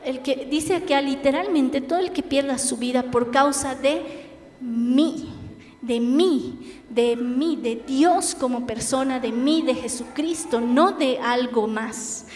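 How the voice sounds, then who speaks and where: A young woman with a Bolivian Spanish accent preaching a sermon in an earnest, emphatic way with dramatic pauses. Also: high-pitched, a little mellow. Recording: echoey hall with faint noise.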